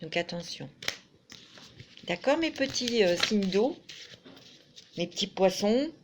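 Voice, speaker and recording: A woman doing a relaxed spoken card reading, chatty and affectionate, dropping little asides as she reads card messages aloud. Her voice sits at an ordinary middle pitch, with a faint hiss of noise behind her. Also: slow pace. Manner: chatty, fond, peppered with "hein", reads card texts aloud. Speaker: tarot and oracle card reader.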